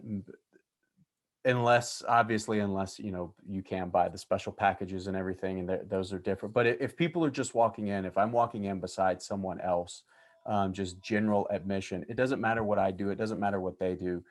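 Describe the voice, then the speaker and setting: Male class host, lower voice, halting and searching for his words, on a video call. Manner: hesitant, searching for words, with many ums and restarts. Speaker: university instructor hosting a class. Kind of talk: class interview.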